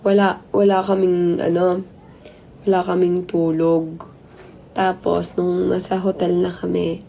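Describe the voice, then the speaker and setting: Hoarse, gravelly woman chatting on a live stream. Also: fairly low pitch, mellow, a little hiss or hum, rough recording. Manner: mixes Tagalog and English, chatty and affectionate with viewers. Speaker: livestream host. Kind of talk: casual live-stream chat reading viewer comments.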